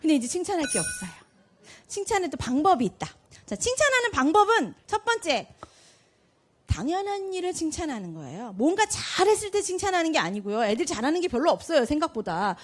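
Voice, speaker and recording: A woman speaking to an audience about parenting, her voice high and swooping up and down. She asks questions and answers them herself. She slips into quick little voices to play parents and children. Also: very animated. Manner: acts out parents' and kids' lines in quick voices. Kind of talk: lively talk to an audience.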